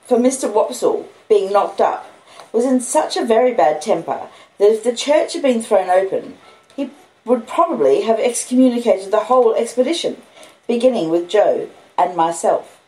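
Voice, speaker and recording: A woman's voice: a little high, lively intonation, moderate pace, warm tone. An Australian woman reading aloud and chatting to listeners as a streaming storyteller. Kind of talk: expressive audiobook-style reading of a classic novel with casual chat. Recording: roomy echo, clear background noise or hiss.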